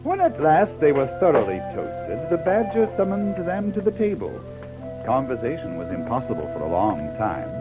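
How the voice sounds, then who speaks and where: A man's voice: a little high, huge pitch swings, moderate pace, over music, rough recording. A man narrating a children's story in a scripted, storytelling style.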